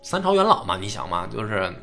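A man tells a history tale with a lively voice that leaps up and down. He acts out the quoted lines and swears casually. Faint music plays underneath. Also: fairly low pitch, fairly quick, creaky. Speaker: history podcast host. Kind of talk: casual storytelling chat.

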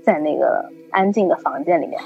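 Animated woman telling a story. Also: deep voice, fairly quick, creaky, faint music behind. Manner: animated storytelling, acts out quoted voices. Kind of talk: casual chat. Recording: dull lo-fi recording.

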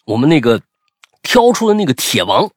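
A man's voice: mid-range voice, huge pitch swings, normal speed, no room sound, studio quality. A man hosting a podcast, chatting casually and reading out listener stories, rambling with many restarts. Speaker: podcast host.

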